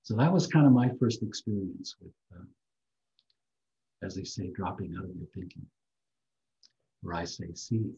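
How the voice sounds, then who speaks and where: An older man giving a reflective talk on a video call, speaking softly and gently. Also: low voice, animated, vocal fry, dull audio. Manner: soft-spoken, slow and gentle. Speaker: guest speaker.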